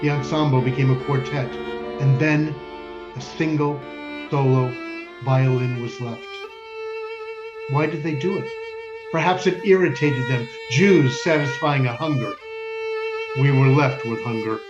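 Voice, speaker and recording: An actor playing a stern yet tender, grieving Jewish father in a wartime ghetto, speaking in solemn, deliberate stage monologue with weighty pauses. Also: medium pitch, lightly acted. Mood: solemn, bitter. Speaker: stage actor in community theater. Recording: dull lo-fi recording, music underneath.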